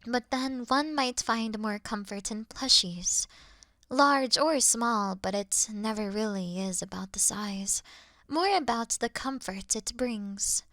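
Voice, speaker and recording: A woman playing an earnest, awkward moth girl in a sleep-aid roleplay, soft and often whispering, with a gentle, slightly formal manner. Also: medium pitch, unhurried, no echo, clean studio sound. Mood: earnest, soothing.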